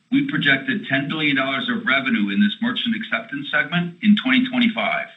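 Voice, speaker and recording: A man in an executive role gives a scripted corporate financial presentation, reading figures in a formal, measured way. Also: medium pitch. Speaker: company executive presenting earnings. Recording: tinny phone-line conference call.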